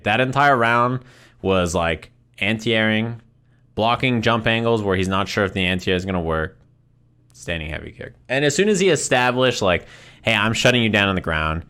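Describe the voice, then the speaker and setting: A man's voice: on the low side, animated, normal speed, bright, forceful tone, clean tone. A man giving casual, conversational fighting game commentary on a livestream, repeating phrases for emphasis and often checking in with "right?".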